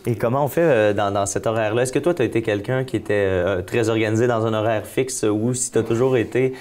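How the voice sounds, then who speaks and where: A man's voice: on the low side, fairly quick, darkish tone. A man with a Quebec French accent conducting an informal interview, hesitating and rephrasing his questions as he goes. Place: council room.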